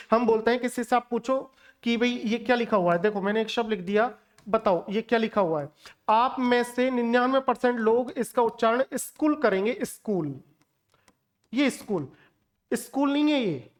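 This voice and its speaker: Man, language teacher, exam-prep lesson, emphatic, lecturing, repeats words to drill them. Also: high-pitched. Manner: lecturing, addresses viewers directly. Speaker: Hindi teacher.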